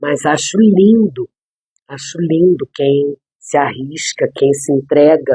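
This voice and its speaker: Speaking at a very slow pace, a woman with a dark, mellow, somewhat breathy tone uses ordinary pitch variation in a dry, close recording with no echo. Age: 60s. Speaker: Bible teacher. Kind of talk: devotional talk. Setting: livestream. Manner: halting; plain, simple.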